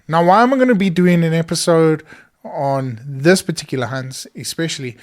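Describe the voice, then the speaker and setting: A man talks through a solo podcast episode in a small studio. His voice is hoarse and a little high for a man. He sounds earnest and keen, with plenty of fillers between his thoughts. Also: normal speed. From South Africa. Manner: earnest and enthusiastic, many fillers. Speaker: podcast host.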